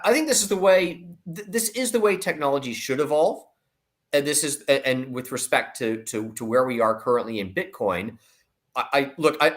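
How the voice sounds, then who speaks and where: Male analyst, mid-pitched voice, emphatic, deliberate, conversational financial commentary, repeated words. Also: fairly bright tone. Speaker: investment analyst, guest commentator.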